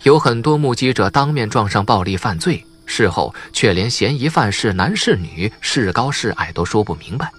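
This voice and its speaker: A man's voice: lowish voice, fairly bright tone. A man narrating a suspense audiobook in a dramatic, theatrical storytelling manner.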